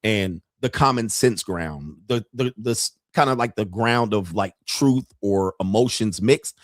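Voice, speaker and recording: A man's voice: on the low side, measured pace, no echo, clean studio sound. A man hosting a casual commentary livestream, joking and rambling in slangy talk. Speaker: podcast host.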